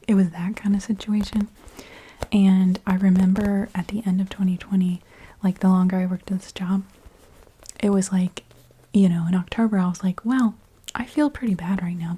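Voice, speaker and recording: A woman speaks in a hushed, mostly whispered ASMR style. Her voice is breathy and airy, with a very mellow, muted tone at a middling pitch. She shares a personal story informally, pausing and restarting in a confiding way. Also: fairly even intonation. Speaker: ASMR video creator.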